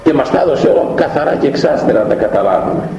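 A man preaching a sermon, who tells stories and often jumps up into high voices to act out what people said. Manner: animated, jumps to high pitch when acting out voices. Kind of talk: sermon on scripture. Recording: echoey dull room recording with faint noise.

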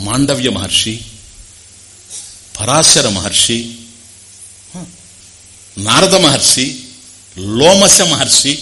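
A man with a Telugu accent giving a discourse on scripture, explaining Sanskrit terms slowly and repeating phrases. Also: on the high side, bright, forceful tone. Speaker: spiritual teacher.

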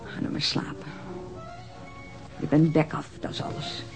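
An actress playing a detective's blunt, nagging wife in a naturalistic radio drama. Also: female voice, a little slow, music in the background, lightly acted. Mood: reproachful, irritated. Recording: faintly noisy old radio drama recording.

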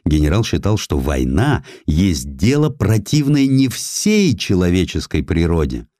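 A man reading a historical sketch as an expressive audiobook narrator, telling it dramatically with rhetorical turns. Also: low-pitched, a little slow, no echo. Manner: dramatic storytelling with rhetorical questions and exclamations.

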